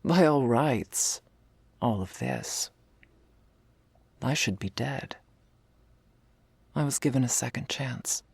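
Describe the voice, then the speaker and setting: Casting: woman playing gruff, blunt female half-orc commander with a soft side, gravelly and slow, for ASMR ASMR role-play. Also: lively intonation, no room sound, full character voice. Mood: tender, reflective. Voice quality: low husky, breathy, gravelly voice. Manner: slow confessional delivery, often dropping in a soft voice.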